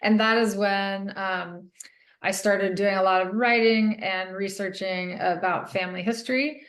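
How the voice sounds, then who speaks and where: A woman's voice: medium pitch, fairly even intonation, unhurried. Woman, middle-aged, author, thoughtful, frequent ums, roomy studio sound. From Northern California. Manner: thoughtful, many ums and soft laughs. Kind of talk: interview answers. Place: radio studio.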